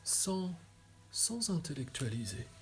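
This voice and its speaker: Slow-paced man guiding a relaxation. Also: a little high, sing-song, fairly bright tone, slight background noise. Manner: soothing, measured instructions with long pauses. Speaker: yoga nidra guide. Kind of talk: guided relaxation meditation.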